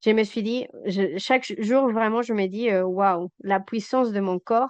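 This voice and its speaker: A woman with a South American accent speaks at a very slow pace and a medium pitch, her intonation fairly even. The sound is dry and close with no echo. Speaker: doula. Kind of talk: interview answer.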